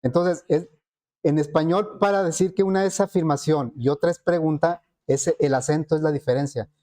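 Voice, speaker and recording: A man's voice: fairly high pitch, fairly even intonation, moderate pace, dark tone. A man teaching a programming class, explaining step by step and asking the students rhetorical questions. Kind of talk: classroom lecture.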